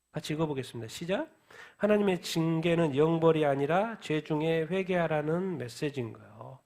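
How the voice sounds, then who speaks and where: A man's voice: high voice, creaky, a little mellow. A man preaching a midweek sermon who asks questions and answers them himself. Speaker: pastor. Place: church.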